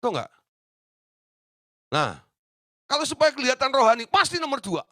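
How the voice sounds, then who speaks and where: Animated pastor with a bright voice. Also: male voice, very high voice, moderate pace, no room sound, clean studio sound. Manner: lively storytelling with many asides. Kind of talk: sermon.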